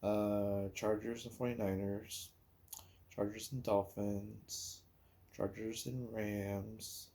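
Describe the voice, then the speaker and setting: A man talks casually about sports at a slow, unhurried pace. His voice is mellow and relaxed, and he rambles hesitantly, pausing as he thinks out loud like a solo podcast host. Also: on the low side, creaky. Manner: rambling, hesitant, pauses while recalling and counting.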